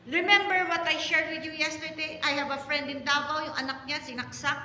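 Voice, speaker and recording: A middle-aged Filipino woman pastor preaching a story-filled sermon, with sudden loud exclamations and drawn-out emphasis. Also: high-pitched, fairly even intonation. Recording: echoey hall reverb, faint background noise.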